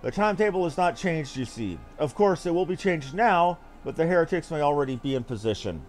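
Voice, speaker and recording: Man voicing a stern knight officer, animated pitch. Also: fairly quick, natural voice. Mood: grave, urgent. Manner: formal, emphatic, archaic phrasing. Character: stern, worried male knight officer in fantasy game. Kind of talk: reading game dialogue in character.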